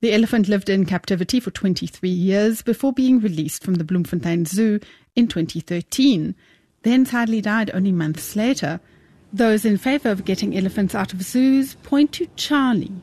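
A woman reporting a radio news story in a measured, clear delivery. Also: mid-range voice, darkish tone, no echo.

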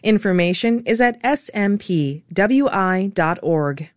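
A woman's voice: mid-range voice, expressive, slow pace, no room sound, studio quality. Woman reading a station credit. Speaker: station announcer. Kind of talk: underwriting announcement.

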